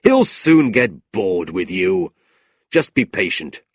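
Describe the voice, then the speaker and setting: A man's voice: low voice, very animated, breathy edge, no room sound, studio quality, heavily acted. A man playing a cold, greedy old moneylender. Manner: slow, curt, dismissive. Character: cold, greedy middle-aged moneylender uncle.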